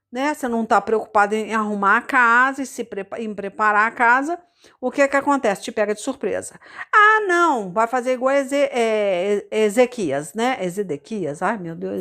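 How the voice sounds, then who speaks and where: A woman's voice: a little high, fairly bright tone. A woman missionary from Rio de Janeiro with a Carioca accent, giving an informal sermon mixed with personal testimony. She talks in a conversational way, repeats words and turns to the congregation with frequent asides. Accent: Carioca Brazilian Portuguese. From Rio de Janeiro, Brazil. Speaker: missionary preacher.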